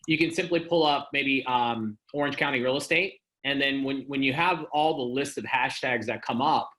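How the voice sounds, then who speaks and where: Male guest, mid pitch, bright tone, easygoing explainer. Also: rough recording. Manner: relaxed, filler-heavy explaining. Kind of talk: casual interview chat.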